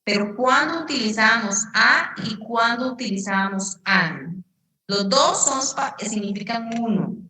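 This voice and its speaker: A woman's voice: fairly high pitch, lively intonation, measured pace, bright, forceful tone, slight background noise. A female English teacher, patiently explaining a lesson and quizzing her class. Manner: patient, repeats and asks the class questions. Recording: echoey room, distant mic.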